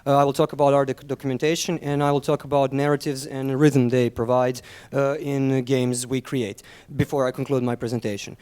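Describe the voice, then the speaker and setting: Serbian-accented young man, smooth even voice. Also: medium pitch. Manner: halting, hesitant delivery with frequent ums and repeated words. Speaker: conference speaker, junior game designer. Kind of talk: conference presentation.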